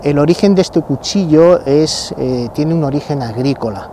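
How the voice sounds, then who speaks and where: A man in his sixties, a channel host, seated in sunny pine woods, explaining his gear to the camera in a halting way, with fillers and repeated words. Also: fairly high pitch. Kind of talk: casual outdoor gear talk to camera. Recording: noisy outdoor recording.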